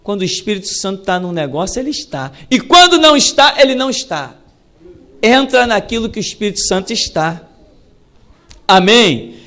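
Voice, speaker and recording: Male Brazilian pastor, Brazilian Portuguese accent, unusually high and sharp-toned, fiery repetitive sermon delivery. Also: sing-song, normal speed. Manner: emphatic, repetitive, storytelling preacher.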